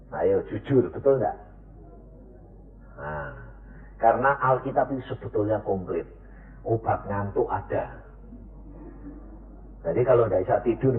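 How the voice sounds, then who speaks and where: A man preaching a sermon, swinging between high cries and low murmurs as he questions his congregation. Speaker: evangelist preacher. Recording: echoey, tinny lo-fi sermon tape.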